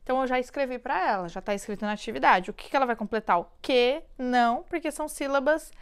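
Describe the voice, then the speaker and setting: Woman teacher from Brazil, slightly high voice, explanatory, slows down to spell out words. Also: smooth. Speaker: literacy teacher. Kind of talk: explaining teaching method to camera.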